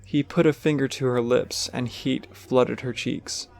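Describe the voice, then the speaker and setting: A man's voice: medium pitch, steady tone, a little slow, gravelly, darkish tone. A man giving scripted third-person narration for an audio drama.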